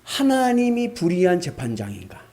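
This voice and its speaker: A middle-aged male pastor preaching a sermon with rhetorical questions and animated storytelling. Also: sits high, moderate pace.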